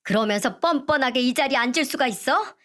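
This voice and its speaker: A young lawyer son in a storybook reading, firm and blunt when he speaks his mind, as a woman narrator reads him. The voice stays fairly high and close to the narrator's own. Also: animated, brisk, a bit bright.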